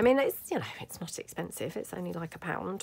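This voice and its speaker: A woman speaks with a British accent. Her pace is fairly quick. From UK. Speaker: crafting YouTuber. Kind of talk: casual crafting tutorial chat. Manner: chatty, filler-heavy. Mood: relaxed, chatty.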